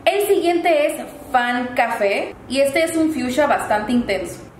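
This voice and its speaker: A woman's voice: sits high, lively intonation, unhurried. A young woman, reviewing makeup in a chatty, upbeat way. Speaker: beauty vlogger. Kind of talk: casual product review. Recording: echoey room, faint ambient noise.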